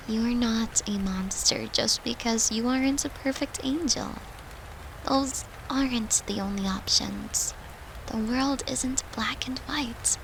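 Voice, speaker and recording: A woman acts as a tender, devoted girlfriend in an intimate comfort roleplay, with steady rain-like noise behind her. Her fairly high voice has a creaky edge, and she speaks slowly, soothingly, and with great affection, soft and unhurried, sometimes dropping to a whisper.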